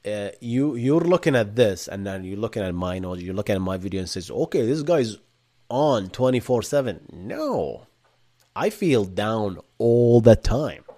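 Low-voiced man with an Arabic accent. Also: big pitch swings, normal speed, mellow. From Bahrain. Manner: casual, thinks aloud with restarts and rhetorical "right?". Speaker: host. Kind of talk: live Q&A stream, reading chat questions.

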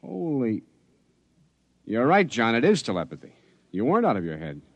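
An actor playing an injured, skeptical mountain climber with a brusque manner, in a radio drama. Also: male voice, mid-range voice, huge pitch swings, moderate pace, dry recording, muffled recording. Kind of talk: 1950s radio drama acting.

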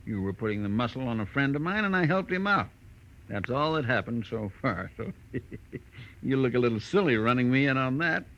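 A man's voice: medium pitch, animated, brisk, fairly bright tone. An American man playing a huge, smug underworld tough in a 1940s radio crime drama, with a drawling, mock-friendly, chuckling manner. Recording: dull vintage radio recording.

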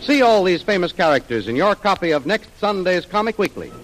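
A man's voice: high voice, sing-song, brisk, a bit bright, low-quality recording. A male announcer giving a polished, promotional sign-off for a 1930s radio serial. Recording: 1930s radio recording with music.

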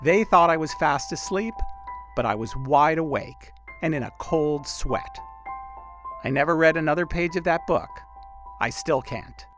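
Lively-voiced male podcast host narrating. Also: fairly high pitch. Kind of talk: scripted narration.

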